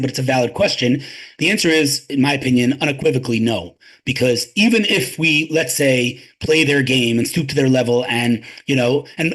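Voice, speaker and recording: A man's voice: on the high side, fairly bright tone, husky. A man speaking emphatically as a guest on an interview podcast, often repeating words as he starts a sentence. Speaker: interview guest, tech advisor. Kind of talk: conversational interview.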